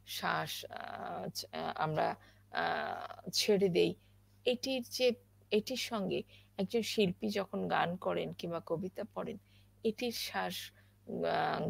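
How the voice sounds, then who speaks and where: Woman teaching poetry recitation, slow and halting, gravelly voice. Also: mid-range voice. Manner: slow, halting explanation with many fillers. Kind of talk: spoken lesson on poetry recitation.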